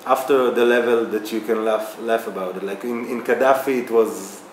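A man in his thirties with an Israeli accent, answering interview questions casually with many fillers and restarts. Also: fairly low pitch. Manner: halting, many fillers and restarts, animated hand gestures. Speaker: guest, video remixer. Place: small bright room indoors. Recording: echoey room, faint background hiss.

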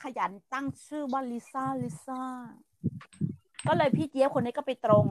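A woman's voice: high voice, fast, poor audio. A middle-aged woman from Thailand hosting a casual livestream chat, blunt and ranting, swearing freely and stretching her polite endings for emphasis. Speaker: livestream host.

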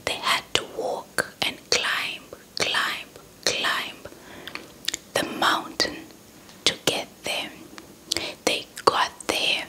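A young woman telling a story in a breathy ASMR whisper close to the mic, deliberate and softly repeating words. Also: low-quality recording. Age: young adult. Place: indoors in front of a dark cloth backdrop. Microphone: handheld small mic with fluffy windscreen, held close.

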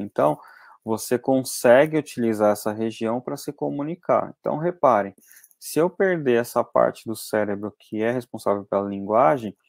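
A young Brazilian man teaching anatomy in an online class from a small room, talking conversationally and often tagging sentences with quick checks. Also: fairly low pitch, no echo. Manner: conversational, frequent tag questions. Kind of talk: online lecture over slides.

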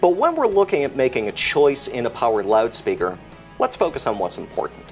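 A middle-aged American man with a medium-pitched voice explains technical details. He is methodical and stresses key points, with music present behind him. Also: wildly swooping pitch, a little fast. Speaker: product expert. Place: indoor product display set.

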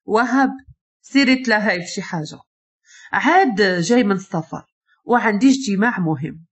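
A woman's voice: medium pitch, lively intonation, normal speed, close to an everyday voice. A woman voicing a stern worried Moroccan father. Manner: commanding, worried. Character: stern protective wealthy father.

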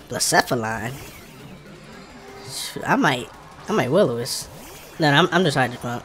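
A man's voice: medium pitch, fairly bright tone. A man with an African American English accent gives casual commentary while playing a video game, informally thinking aloud and muttering to himself. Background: game music.

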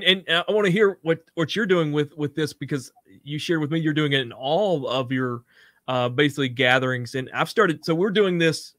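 A man co-hosting a show over a video call who talks eagerly and often pauses on "uh". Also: on the high side, a bit bright, dry recording, studio quality. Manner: eager, hesitant, frequent "uh". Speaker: co-host. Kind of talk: casual video call conversation. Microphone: webcam on video call.

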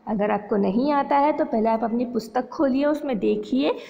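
A woman teaching Hindi to young schoolchildren. She walks them through a worksheet patiently and slows down to sound out words and letters. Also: fairly high pitch, vocal fry. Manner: patient, repeats "बच्चों" often, stresses pronunciation slowly. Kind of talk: online lesson explaining a worksheet to children. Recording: long reverb, dull lo-fi sound.

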